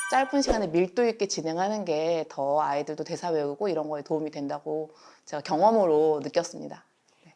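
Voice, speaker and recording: Music plays behind a woman whose very deep, low voice moves fairly quickly, with ordinary pitch variation and big swings in loudness. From Jeolla, Korea (Jeonju). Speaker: elementary school teacher. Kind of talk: interview about teaching.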